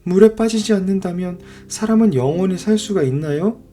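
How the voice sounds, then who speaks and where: A man's voice: high voice, brisk, mellow, soft background music, pitched above the performer's own voice, close to an everyday voice. A man voicing a young mermaid princess in a children's storybook, innocent and full of longing. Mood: longing, curious.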